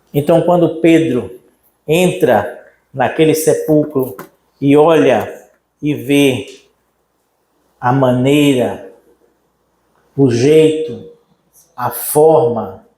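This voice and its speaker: A man with a Brazilian Portuguese accent preaching a sermon as pastor, animated and acting out the voices of the people in his story. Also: mid-range voice, roomy sound, low-quality recording. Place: church.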